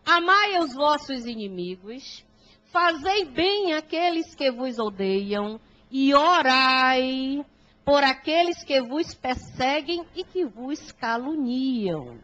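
A woman's voice: high voice, animated, takes it slowly, pushed and bright. A Brazilian woman with a Brazilian Portuguese accent gives a gospel lecture to an audience in a large auditorium, speaking into a handheld microphone. She talks emphatically and often puts rhetorical questions to the listeners. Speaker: spiritist lecturer. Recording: dull lo-fi hall recording.

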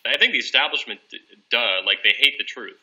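A young man hosting a casual interview at a desk mic in a room, blunt and profane, quick to agree. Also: mid-range voice, bright, forceful tone, poor audio. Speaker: host. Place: room with bookshelves, indoors. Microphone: desk mic on a stand.

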